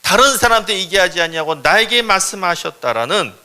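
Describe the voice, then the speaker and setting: Animated man preaching a sermon. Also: sits high, brisk. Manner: animated, acts out voices. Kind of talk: storytelling sermon. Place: church.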